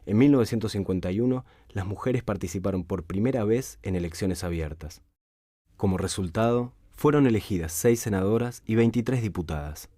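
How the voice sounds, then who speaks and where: A man reading a scripted documentary narration in a steady, measured way. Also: lowish voice, no echo, clean studio sound.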